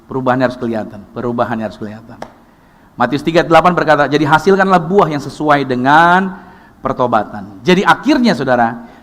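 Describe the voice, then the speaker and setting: Emphatic Ambonese pastor in a reverberant church. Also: male voice, mid-range voice. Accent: Ambonese Indonesian. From Ambon, Indonesia. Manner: lively, emphatic, rising to loud bursts; asks the congregation questions and answers them. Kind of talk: sermon. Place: large church hall.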